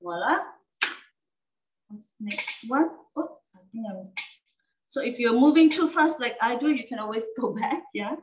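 Woman, cooking demo host, fairly high voice, chatty with fillers, echoey kitchen, mic set back. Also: lively intonation, unhurried. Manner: chatty, explaining step by step with frequent fillers and "okay?" checks. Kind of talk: casual cooking demonstration. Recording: echoey room, mic at a distance.

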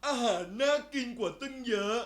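A woman's voice: fairly high pitch, expressive, normal speed, echoey room, natural voice. A woman voicing a lazy, greedy young beetle in a children's story, with a drawling, dismissive manner. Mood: fussy, dismissive.

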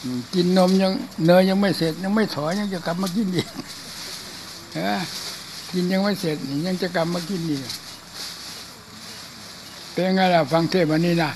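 An elderly monk gives a loose, chatty dharma talk, slipping into acted voices for his funny stories. His voice sits high for a man, with a faint hiss of noise under it. He is hard of hearing. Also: steady tone, moderate pace, pauses often. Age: older. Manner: chatty and humorous, acts out voices in anecdotes. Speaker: Buddhist monk. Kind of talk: informal dharma talk and storytelling.

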